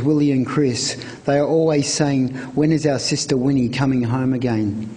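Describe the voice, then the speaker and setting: A man reading a prepared script of historical letters aloud at a live event in a measured way. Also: fairly high pitch, warm tone, low-quality recording.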